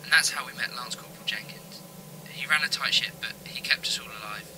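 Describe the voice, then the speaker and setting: A man's voice: mid-range voice, brisk, pushed and bright. A young man playing an earnest, loyal student survivor in an audio drama, speaking plainly and sincerely. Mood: sombre. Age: young adult. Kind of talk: amateur audio drama acting. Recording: noisy background ambience.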